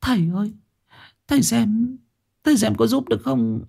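A man's voice: extremely high pitch, huge pitch swings, moderate pace, gravelly, dark tone, breathy edge, voice pushed up, exaggerated voice. A man voicing a grieving village widow who pleads for help. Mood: pleading. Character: grieving village widow, middle-aged woman.

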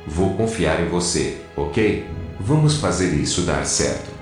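Casting: male actor for a cautious, placating rebel in a radio play, deep pitch, very reverberant. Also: expressive, a little mellow, faint music behind. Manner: measured, placating. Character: weary, cautious male peacemaker among rebels. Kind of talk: audio drama acting. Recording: very echoey space.

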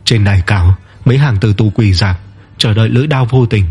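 A man narrating a fantasy story in a steady, measured way. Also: lowish voice, slightly rough, faint music behind.

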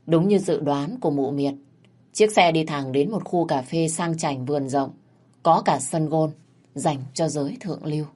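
A woman narrating a scripted story in a steady, plain storytelling manner. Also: deep voice, normal speed.

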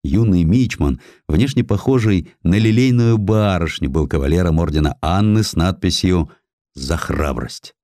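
Guy reading a history audiobook, deep voice, really expressive, dry close sound, weighty pauses. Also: dry recording. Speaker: audiobook narrator. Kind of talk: dramatised historical narration.

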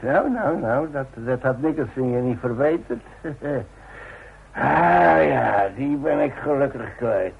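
An actor playing a gruff, stubborn older father in a radio play, halting and musing as he talks. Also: medium pitch, animated, full character voice. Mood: grumbling, teasing. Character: gruff, stubborn old working-class father, retired workman. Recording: muffled narrow-band old radio recording with hiss.

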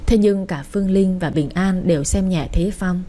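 Một người phụ nữ kể truyện audio ngôi thứ nhất, sinh động, tự lồng tiếng mọi nhân vật. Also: female voice, fairly low pitch, normal speed. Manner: lively, voices all characters. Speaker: storyteller. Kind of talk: first-person audio story narration.

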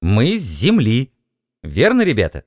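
A man's voice: mid-range voice, wildly swooping pitch, a little slow, no echo, clean studio sound. Man playing a blustering spaceship captain. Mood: hearty. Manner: hearty, pushy, insistent.

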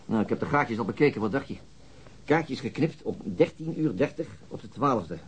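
An actor playing a dogged, troubled police detective in a naturalistic radio drama, husky and deliberate, sometimes halting. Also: male voice, mid-range voice, expressive, slight background noise, natural voice. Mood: matter-of-fact. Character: dogged, troubled male police detective recounting his inquiry.

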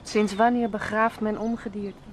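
An actress playing a haunted, bitter young woman in a radio drama, speaking in a hushed voice that breaks into whispers. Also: mid-range voice, little pitch movement, moderate pace, a little hiss or hum, close to an everyday voice. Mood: scornful.

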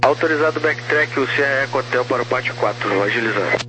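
A man's voice: medium pitch, fast talker, bright, forceful tone. A Brazilian man working as a tower air traffic controller, speaking clipped procedural phraseology over crackly radio. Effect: crackly aviation radio. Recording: noisy aviation radio with electrical hum.

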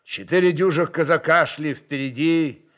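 A man narrating a literary story in an expressive, dramatic reading style. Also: on the high side, normal speed.

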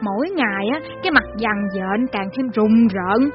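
A woman's voice: medium pitch, moderate pace, dull audio, music in the background, close to an everyday voice. A woman playing a mother who tells her children ghost stories, speaking in an earnest, plain-spoken Southern Vietnamese accent. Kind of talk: audio drama storytelling.

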